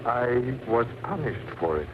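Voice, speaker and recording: An actor playing an eerie, white-bearded visitor with a grave, deliberate, theatrical delivery in an old-time radio horror drama. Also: male voice, mid-range voice, big pitch swings. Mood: haunted, urgent. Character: eerie white-bearded man, corpse-eyed, haunted mysterious visitor. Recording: muffled old radio recording, faint noise.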